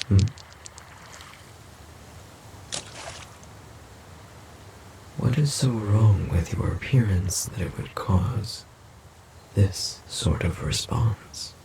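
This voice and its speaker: Man acting as a gentle forest demon, very low gravelly voice, halting formal phrasing, puzzled by humans, audio roleplay. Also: a little hiss or hum, heavily acted, low-quality recording. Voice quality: low breathy, gravelly half-whisper. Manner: halting, formal, literal-minded speech.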